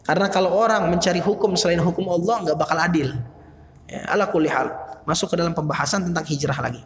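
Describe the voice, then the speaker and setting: Preacher in an echoey hall. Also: male voice, on the high side, quick pace. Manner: conversational, lively retelling with slangy asides. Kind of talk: casual sermon storytelling.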